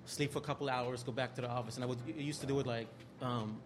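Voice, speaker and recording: Fast and steady-toned, this mid-range male voice belongs to a man from Austria who works in music A&R and has an Austrian accent. Background noise and music accompany his easygoing, self-deprecating account in a casual interview.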